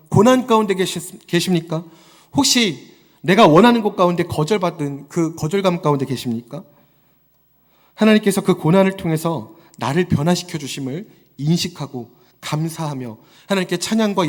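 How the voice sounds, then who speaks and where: A man in his thirties preaching a Sunday sermon, his high voice swinging widely as he builds to fervent exhortation. He acts out little quotes along the way. Long reverb from a large church hall hangs on every line.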